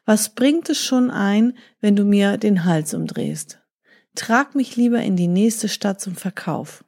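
A woman's voice: mid-range voice, big pitch swings, slow, darkish tone, full character voice. A woman voicing a clever, polite male parrot in a storybook reading, pleading and persuasive. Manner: pleading, then smoothly persuasive.

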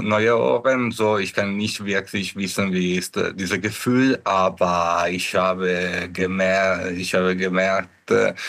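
A man from Italy with an Italian accent, speaking haltingly and searching for words as a podcast guest. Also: fairly low pitch, a bit bright. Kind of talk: casual chat.

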